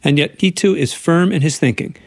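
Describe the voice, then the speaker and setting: Gravelly-voiced male radio correspondent. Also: on the high side, brisk, dry recording, studio quality. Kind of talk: scripted radio report.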